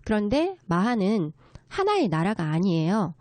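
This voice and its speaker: A woman's voice: mid-range voice, sing-song, normal speed, darkish tone, no room sound. A woman speaking as a guest expert, explaining local folk culture politely and step by step. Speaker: guest expert, children's story writer.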